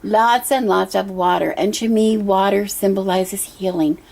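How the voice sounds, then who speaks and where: A middle-aged woman with a hoarse voice from a cough, talking at home in a casual show-and-tell vlog, gentle and meandering with many ums and pauses. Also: medium pitch, steady tone, low-quality recording. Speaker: pagan altar vlogger. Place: indoor room at home with a water feature. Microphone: camera she handles herself.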